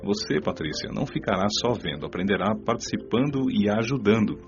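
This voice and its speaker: Give a kindly Brazilian male mentor from a spiritual radio drama, played by an actor. His voice sits low and he instructs in measured phrases. The sound is somewhat dull, with music plainly underneath. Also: animated. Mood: instructive, kindly. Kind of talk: audiobook radio drama dialogue.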